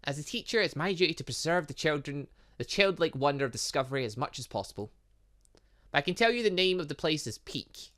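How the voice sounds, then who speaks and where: Man acting out a teasing game teacher, fond of students, theatrical, bright voice, lively pitch. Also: a little fast. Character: playful, evasive teacher fond of their students. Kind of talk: reading visual novel game dialogue aloud.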